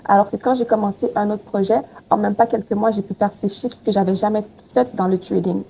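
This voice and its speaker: Mellow-voiced young woman, frank and reflective. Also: mid-range voice, steady tone, a little fast, vocal fry, slight background noise, rough recording. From Haiti. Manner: reflective, frank, speaks with many fillers. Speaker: guest. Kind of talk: casual interview talk.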